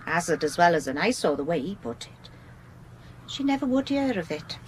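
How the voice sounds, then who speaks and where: An actress playing a homely, talkative and deferential Welsh housekeeper in a 1980s British radio drama. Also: female voice, on the low side, sing-song, moderate pace, slight background noise, low-quality recording. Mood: hesitant, matter-of-fact. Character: deferential, chatty Welsh housekeeper, married woman.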